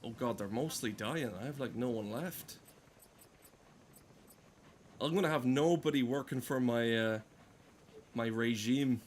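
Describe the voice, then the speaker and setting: A man giving casual gameplay commentary in a deadpan, mock-solemn manner. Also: medium pitch, a little slow, long pauses, slight background noise. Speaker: gameplay streamer. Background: game music.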